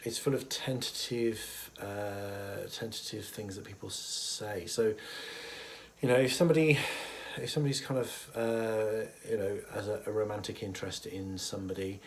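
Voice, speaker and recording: With a husky, lowish voice worn rough by a cold, a therapist explains things casually to camera in a steady tone, stopping frequently on fillers and chuckling softly. The recording is low quality, with faint room hiss underneath.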